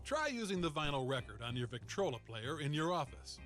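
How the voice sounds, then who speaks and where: A man's voice: a little high, big pitch swings, brisk, a bit bright. A man voicing a cheery, chatty interface assistant in a scripted game tutorial, instructing eagerly and theatrically over music. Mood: cheery, helpful.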